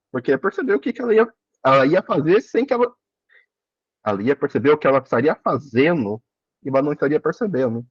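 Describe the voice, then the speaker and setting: A man's voice: fairly high pitch, dry recording, lo-fi sound. A man thinking aloud in a casual study group discussion, reflective and often rephrasing himself.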